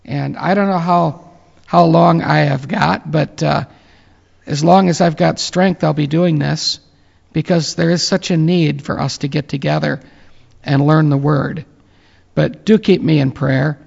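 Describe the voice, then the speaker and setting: A man in his late fifties with a deeply gravelly, slightly high voice leads a reverent prayer. He talks earnestly, pausing with fillers. The recording is dull and carries a long reverb. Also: fairly even intonation, a little mellow. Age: 50s. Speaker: pastor. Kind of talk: closing remarks and prayer.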